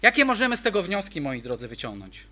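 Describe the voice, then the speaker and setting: A man delivering a sermon with a bright, forceful tone. He presses his points with emphatic rhetorical questions aimed at the congregation. His high voice swoops up and down as he preaches. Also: very animated, fast, a little hiss or hum.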